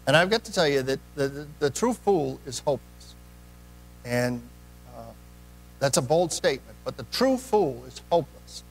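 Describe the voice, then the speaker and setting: A man's voice: medium pitch, poor audio. A man preaching a sermon in a church, earnest, putting direct questions to the congregation. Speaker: pastor.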